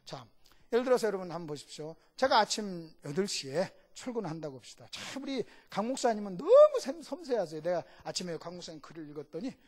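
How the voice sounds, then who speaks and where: A middle-aged male guest pastor preaches in a high-sitting voice that rises and falls dramatically, talking fast. Animated, he swings from fervent shouting to hushed, confiding asides, acts out little voices and keeps questioning the congregation.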